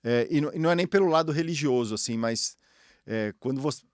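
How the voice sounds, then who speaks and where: A middle-aged Argentine man with a Brazilian Portuguese accent chats as an interview guest. He rambles in slang, often stopping and restarting his sentences. His voice sits at an ordinary pitch, recorded close and dry with no room sound. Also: fast talker, no echo. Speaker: guest, former tennis player. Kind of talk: casual interview chat.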